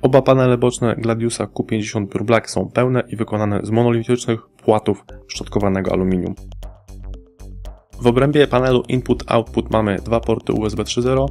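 Gravelly man narrating a tech review. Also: mid-range voice, fairly even intonation, a little mellow, soft background music. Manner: precise, measured technical delivery. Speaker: hardware reviewer. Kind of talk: scripted product review voice-over.

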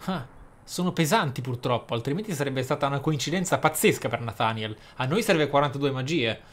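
A mid-range male voice, with slight background noise and game music underneath, provides casual gameplay commentary for a gaming video in a theatrical style, using grand wording and many exclamations.

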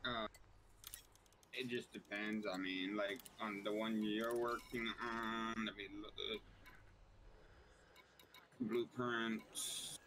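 A man on voice chat calmly walking a friend through game steps. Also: on the low side, slow pace, pauses often, a little hiss or hum, low-quality recording. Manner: patient, step-by-step instructions. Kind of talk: explaining game mechanics.

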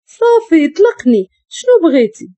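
A woman's voice: very high voice, sing-song, normal speed, mellow, pitched above the performer's own voice. A woman with a Moroccan Arabic accent voicing a timid young homeless woman, meek and nervous.

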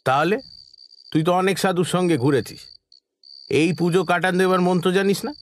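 A man's voice: high voice, fairly even intonation, normal speed, slight background noise, close to an everyday voice. An actor playing a worried yet stoic village man in a horror audio drama, speaking in a familiar, emotive way. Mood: anxious, questioning. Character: male villager friend, worried yet stoic, plain-spoken.

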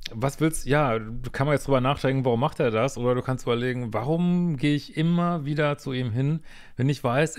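A psychologist commenting on a viewer's letter in casual, blunt talk, exasperated and swearing freely, with halting restarts and frequent tag questions. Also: male voice, medium pitch, clean tone.

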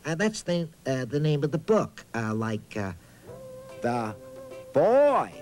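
A man's voice: a little high, sing-song, slow, darkish tone, soft background music. A man voicing a friendly, absent-minded talking boot who hosts a children's reading show in a hesitant, chatty way. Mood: chatty, quizzing. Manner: hesitant, bumbling, chatty, hums nonsense syllables. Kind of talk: playful children's educational presenting.

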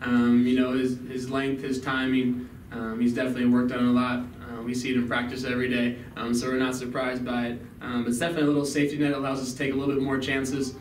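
Fast-talking young man in an echoey room. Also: medium pitch. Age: young adult. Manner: steady, fluent, frequent "um, you know". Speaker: college basketball player. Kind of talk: postgame press conference answers. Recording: echoey room, mic at a distance, background noise.

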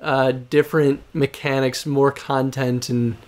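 A man's voice: medium pitch, little pitch movement, a little slow, darkish tone. A man chatting casually as a gaming co-host, prompting the player with questions. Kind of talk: casual chat over gameplay.

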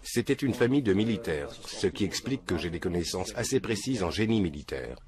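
Older man with a very deep, level voice. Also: expressive, a little fast, crowd noise. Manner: matter-of-fact, earnest, unshaken by questions. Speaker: interviewee. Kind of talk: documentary interview. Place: small room indoors, seated at a desk. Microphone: film crew mic off camera.

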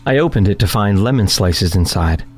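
A man playing a polite, wry young worker, narrating an audio drama in a measured first-person storytelling manner. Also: on the low side, expressive, a little mellow, close to an everyday voice. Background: music under the voice.

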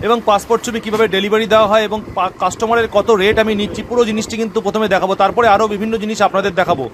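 Young bengali guy, super quick talker, kinda high and flat, faint traffic noise behind. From West Bengal, India. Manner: brisk, instructive, addresses viewers as friends. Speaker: cyber cafe owner and channel host. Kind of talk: explanatory voice-over narration.

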